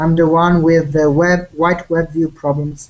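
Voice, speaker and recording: A woman with a non-native accent speaks in a fairly low voice with monotone, flat intonation. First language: not English. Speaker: app developer. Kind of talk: technical Q&A in video hangout. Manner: halting.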